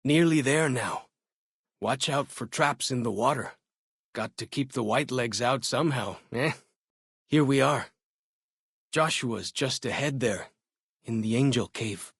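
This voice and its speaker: A young tribal scout guiding a traveler in a video game. He is friendly and full of curiosity, with folksy, chatty phrasing. The voice is mid-pitched and a touch husky, recorded dry and close. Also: unhurried, pauses often, a bit bright, dry recording. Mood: welcoming, helpful. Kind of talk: video game companion dialogue.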